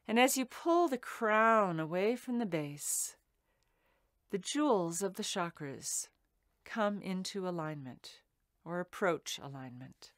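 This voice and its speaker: A woman with a fairly low voice leads a guided meditation very slowly. Her phrasing is soothing and deliberate, with pauses between phrases, and the sound is dry and close, free of room echo. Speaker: meditation teacher.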